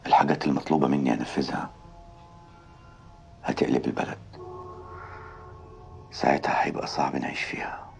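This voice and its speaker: Brooding Egyptian husband, forties, bottom-register murmur, heavy fry, worried screen-drama delivery. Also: male voice, fairly even intonation, a little hiss or hum. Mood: worried, subdued. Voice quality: low, gravelly, breathy at times. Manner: murmured, halting. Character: brooding, worried man confiding in his wife. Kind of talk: naturalistic screen drama acting. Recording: faint music behind.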